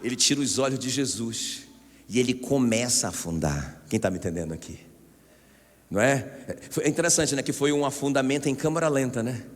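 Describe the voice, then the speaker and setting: A Brazilian man preaching a sermon as pastor, animated and often calling out to the congregation. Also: medium pitch, brisk. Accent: Brazilian Portuguese. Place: church hall. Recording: long church hall reverb.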